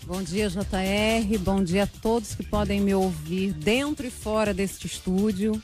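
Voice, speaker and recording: A woman's voice: mid-range voice, a little slow, a little mellow, soft background music. A woman on a radio panel giving religious commentary in a preacherly, explanatory way. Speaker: debate panelist, gospel singer. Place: dry radio studio.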